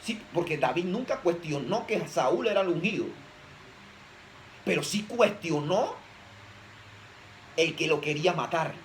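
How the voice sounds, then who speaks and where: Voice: medium pitch, expressive, unhurried, pauses often, slight background noise, low-quality recording. A preacher giving an emphatic sermon, often posing rhetorical questions to the audience.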